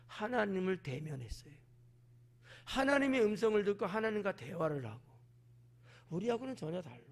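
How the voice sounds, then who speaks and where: A man with a fairly high voice preaching a sermon at an evening service. He walks through a Bible passage line by line and keeps turning to his listeners with questions. He acts out the speakers in the text with animated, sarcastic quoted lines. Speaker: pastor.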